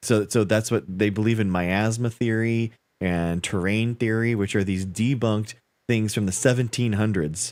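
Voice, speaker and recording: A man's ordinary speaking voice with an American accent, fairly low in pitch, at a moderate pace and with fairly even intonation. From Southern California. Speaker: science talk show host. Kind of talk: call-in show chat.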